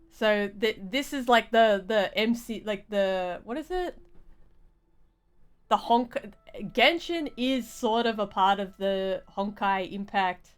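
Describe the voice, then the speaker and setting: A woman game streamer giving casual live commentary, rambling and halting as she thinks aloud. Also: medium pitch, smooth.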